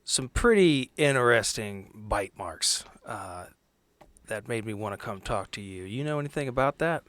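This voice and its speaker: A man's voice: fairly low pitch, lively intonation, normal speed, a bit bright, no room sound. A man playing in a tabletop role-playing game, talking informally and improvising loosely. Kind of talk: casual improvised role-play chat.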